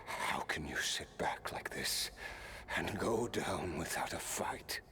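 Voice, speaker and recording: A man playing a weary, stoic immortal warrior in a video game, speaking in a measured, wry way. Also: rumbling low, expressive, bright, forceful tone, in a whisper, full character voice. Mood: wistful, reflective. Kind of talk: scripted game character dialogue.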